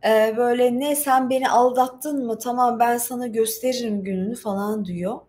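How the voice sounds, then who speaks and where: A woman's voice: a little high, steady tone, normal speed, darkish tone. A woman hosting a casual storytelling livestream, reading aloud and commenting in a chatty, rambling, informal way. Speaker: livestream host. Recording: roomy echo, faint background noise.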